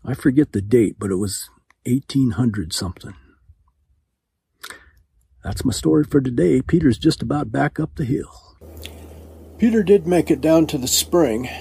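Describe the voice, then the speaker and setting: An older man with a dark, husky voice tells a rambling, unhurried travel story for his vlog. He pauses often and fills gaps with "uh". At times he is out of breath on a hillside, and the recording is dry and close. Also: mid-range voice, no echo. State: out of breath while hiking uphill. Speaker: travel vlogger. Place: outdoors on a desert hillside.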